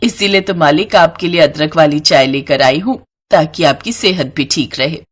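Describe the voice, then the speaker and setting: A woman's voice: low-pitched, moderate pace. A woman voicing a greedy, scheming middle-aged maidservant with sugary, coaxing talk in a cartoon story. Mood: dutiful, sweet.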